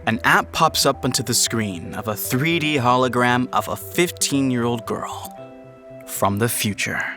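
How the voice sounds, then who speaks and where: A man delivers scripted narration for a fiction podcast. His voice sits at an average pitch for a man, and music plays clearly behind him. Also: unhurried, bright, forceful tone. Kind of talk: scripted audio drama narration.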